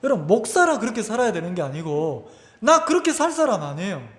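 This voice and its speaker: A man pastor, giving a conversational, animated sermon full of rhetorical questions in a church. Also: high voice, fast. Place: church sanctuary. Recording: echoey church hall.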